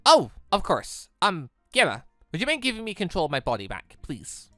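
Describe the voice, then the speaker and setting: A man voicing an earnest, anxious, tender-hearted young android girl in a visual novel, halting and emotional. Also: high voice, huge pitch swings, fairly bright tone, no echo, soft background music, exaggerated voice. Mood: pleading, reassuring.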